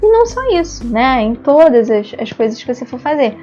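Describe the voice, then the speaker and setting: A woman's voice: high voice, big pitch swings, fairly quick, mellow, lo-fi sound, faint music behind. A Brazilian woman giving an online lesson on therapy, explaining patiently with frequent tag questions and acted-out examples. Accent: Brazilian Portuguese. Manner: explanatory, frequent "né?" tags, acts out praise and "no" examples. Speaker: ABA therapy instructor.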